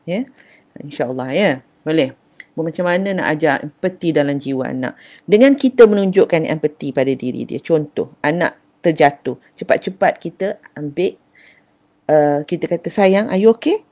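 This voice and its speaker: A woman's voice: sits low, lively intonation, normal speed, mellow. An older woman, giving an affectionate, casual talk on parenting and addressing her listeners as dear. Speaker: parenting speaker.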